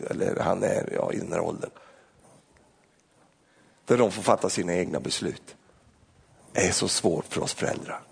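A man preaching an animated sermon, acting out little scenes and asides. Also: deep voice, creaky, husky. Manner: animated, acts out voices and asides. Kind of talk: lively sermon.

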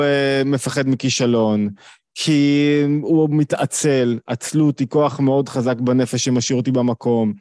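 A man of ordinary pitch leads a video-call conversation as its teacher and host. His voice sounds dry and close, with no room around it. He builds his points through rhetorical questions and a run of everyday examples. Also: darkish tone, no echo. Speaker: host and teacher of the study series.

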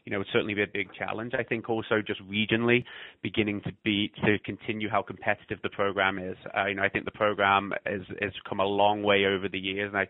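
A man's voice: on the low side, little pitch movement, fast talker, dry recording. A man with an English accent, a head soccer coach chatting in a radio interview, full of fillers and restarts. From England. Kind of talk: phone interview. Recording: tinny phone line.

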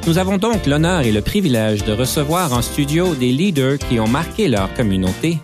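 A man's voice: medium pitch, very animated, normal speed, music in the background. A man hosting an interview in a studio, opening formally and then asking questions. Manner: formal, welcoming introductions. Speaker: host. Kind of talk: hosted interview.

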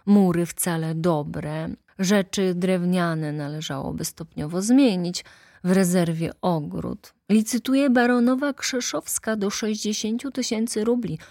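A woman voicing a talkative older male lawyer who speaks in an animated, insistent way. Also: on the low side, measured pace, no room sound, studio quality. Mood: persuasive.

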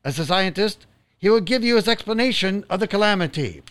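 An earnest male radio announcer played by an actor with a high, clear voice reports disaster news. His delivery is formal, urgent and orderly, in radio drama style. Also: animated, a little fast, a bit bright, no echo.

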